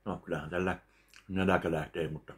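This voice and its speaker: A man in his thirties giving a slow, deadpan review of a meal while eating at home in his kitchen. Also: low voice. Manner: slow, deadpan, pauses between bites. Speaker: food vlogger. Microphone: webcam at close range.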